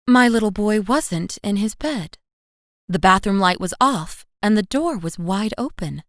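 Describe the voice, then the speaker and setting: A woman playing a weary, devoted young mother, telling a first-person horror story in an intimate, expressive way. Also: mid-range voice, no room sound, clean studio sound. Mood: uneasy, irritated. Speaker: narrator of a horror audio drama. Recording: voice over music bed. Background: music.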